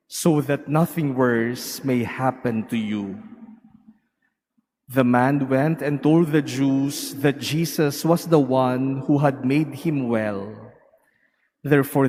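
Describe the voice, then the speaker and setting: A male priest with a Filipino accent, reading the gospel and preaching in a slow, measured liturgical way, his voice ringing with a long cathedral echo. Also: mid-range voice, darkish tone. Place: large church. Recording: reverberant church with faint music.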